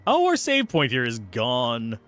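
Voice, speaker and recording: Chatty, slightly raspy male streamer. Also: mid-range voice, wildly swooping pitch, unhurried, fairly bright tone, faint music behind. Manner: chatty, jokey, reacts aloud. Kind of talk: casual gameplay commentary.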